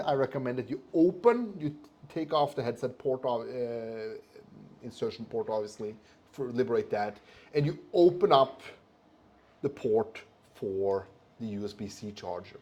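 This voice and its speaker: A man's voice: medium pitch, darkish tone. A man talking informally to viewers in an instructional vlog, somewhat hesitant and repeating phrases for emphasis. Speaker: vlogger giving motorcycle gear tips.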